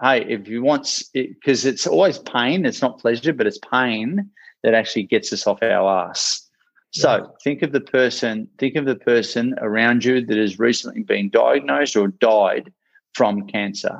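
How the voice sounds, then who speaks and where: Speaking with an Australian accent, a man keeps a moderate pace and medium pitch. His intonation is lively. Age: 40s. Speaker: motivational speaker. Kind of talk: interview.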